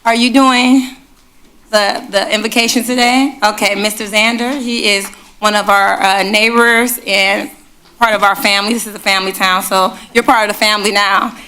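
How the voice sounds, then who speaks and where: A woman's voice: mid-range voice, steady tone, normal speed. A woman chairing a city council meeting, talking to the room in a chatty way and reading a proclamation at a desk microphone in a council chamber. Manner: chatty, warm asides to the room. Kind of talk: presiding over a public meeting, reading a proclamation.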